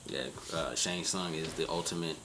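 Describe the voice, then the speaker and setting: A man's voice: rumbling low, moderate pace, bright, forceful tone, slight background noise. A man chatting informally as a commentator, using casual slang and often checking that listeners get his meaning. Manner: informal, often asks "you know what I'm saying". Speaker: reaction show commentator.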